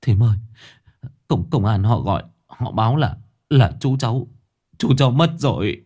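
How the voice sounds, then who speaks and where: A man's voice: medium pitch, expressive, normal speed, mellow, breathy edge. A man doing a stammering, shaken village son.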